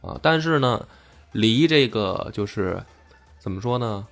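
Low-voiced man. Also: expressive, measured pace, fairly bright tone, soft background music. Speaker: podcast host. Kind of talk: casual history talk, explanatory.

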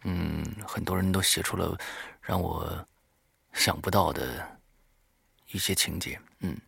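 Guy hosting an audio show, low husky voice, dry recording, just chatting to listeners. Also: fairly even intonation, measured pace, a bit bright, dry recording. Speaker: horror audio show host. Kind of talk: semi-scripted talk to listeners.

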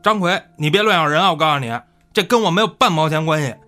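A man's voice: fairly high pitch, fast, pushed and bright, soft background music. An actor playing a sly, fawning older village man in a Chinese radio drama, placating and protesting. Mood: defensive, flustered.

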